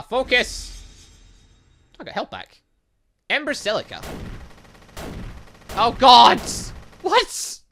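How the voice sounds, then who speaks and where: An excitable man commentates over a video game as its host. His voice is bright and forceful, and his pitch jumps around a lot. He breaks into exclamations, then drops into muttered asides. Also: slight background noise. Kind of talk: let's play commentary, reading game text aloud.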